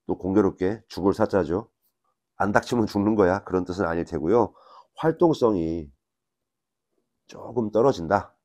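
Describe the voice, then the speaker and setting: A man teaching fortune-telling, explaining step by step in a measured lecture and asking rhetorical questions as he writes on a board. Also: deep voice, warm tone.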